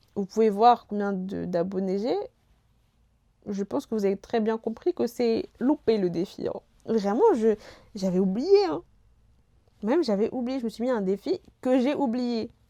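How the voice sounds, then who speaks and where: Pausing long and often, a woman with a fairly high pitch and a dark, mellow tone speaks at a fairly slow pace with lively intonation. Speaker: YouTuber, pop culture creator. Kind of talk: casual vlog chat. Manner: hesitant, many fillers.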